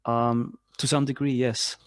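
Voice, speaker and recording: A man leading a class on spiritual philosophy, speaking in a halting way with many restarts and fillers. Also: mid-range voice, level tone, dry recording, studio quality. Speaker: class leader. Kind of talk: spiritual lecture with discussion.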